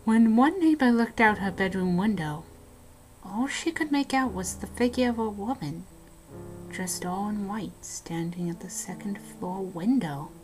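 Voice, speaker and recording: A woman's voice: mid-range voice, measured pace, a little mellow, faint music behind, natural voice, poor audio. A woman playing a brash young local telling haunted-house tales in an amateur audio drama, casual and dramatic. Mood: eerie storytelling. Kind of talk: amateur audio drama, scripted ghost storytelling.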